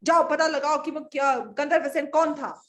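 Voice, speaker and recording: A woman voicing a stern, bearded old king in a children's story, with a gruff, commanding manner. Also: high voice, normal speed, a bit bright, voice pushed up. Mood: scolding.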